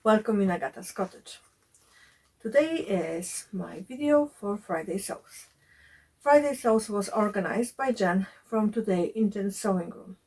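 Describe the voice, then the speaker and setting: A woman's voice: mid-range voice, expressive, measured pace, darkish tone, rough recording. Chatty woman sewing vlogger, chesty voice. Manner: chatty, frequent fillers. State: recovering voice, a bit chesty. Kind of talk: casual sewing vlog. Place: home, converted cottage.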